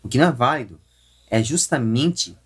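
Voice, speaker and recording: A Brazilian man speaks as a video host at a middling pitch. He explains his opinions in a halting, searching way, often stopping to rephrase or correct himself as he goes. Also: breathy edge. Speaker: YouTube host. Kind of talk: opinion commentary to camera.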